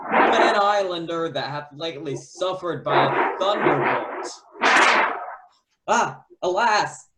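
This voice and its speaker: A man's voice: fairly high pitch, lightly acted. A man playing a foolish, puzzled jester in a Shakespeare radio play monologue. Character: foolish jester sheltering from storm, puzzled by monster. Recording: loud background noise.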